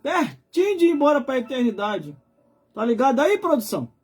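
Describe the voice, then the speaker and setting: A man's voice: very high-pitched, big pitch swings, brisk, slightly rough, faint music behind. A man in his forties with a Brazilian accent, preaching informally on a livestream in an emphatic, colloquial way, repeating phrases for effect. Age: 40s. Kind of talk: informal live sermon.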